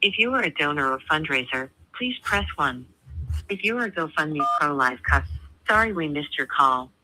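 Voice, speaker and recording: This is a recorded phone message played on a speakerphone. A man reads customer-care menu options in a polite, scripted, evenly paced way. His tone is very bright and forward, and the tinny phone line gives it a thin, narrow sound. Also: fairly high pitch, moderate pace, a little hiss or hum. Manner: polite, even, announcing.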